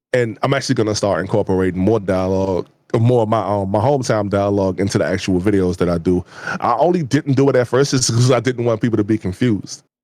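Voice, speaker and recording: A man with a fairly low voice and an American accent talks very fast. His loudness stays very even, with ordinary pitch variation. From Washington DC / Prince George's County, Maryland. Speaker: gaming content creator. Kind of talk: casual podcast interview.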